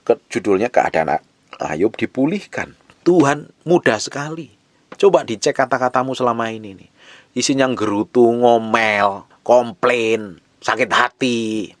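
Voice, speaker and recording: A man's voice: medium pitch, a bit bright, no room sound. A man preaching a sermon as pastor, blunt and scolding with emphatic delivery.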